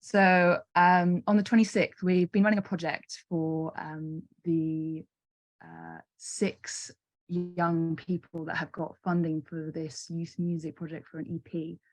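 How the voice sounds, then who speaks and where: A woman's voice: lowish voice, a little slow, no room sound. A young woman from Cumbria giving an informal, slightly hesitant presentation on a video call. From Cumbria, England. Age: young adult. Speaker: arts project representative.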